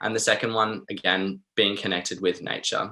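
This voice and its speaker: A man with an Australian accent has a fairly low pitch and a bright, sharp tone. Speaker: wellbeing workshop presenter. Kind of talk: online webinar presentation. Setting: webinar.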